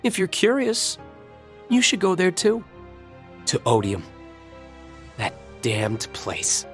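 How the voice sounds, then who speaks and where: An actor playing a reckless, thrill-seeking young man in a video game, emotional and sardonic, with a husky voice. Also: sits high, huge pitch swings, takes it slowly, over music, exaggerated voice. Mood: sly, confiding. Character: reckless thrill-seeking young man, betrayed creation pleading with his father. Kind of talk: dramatic video game voice acting.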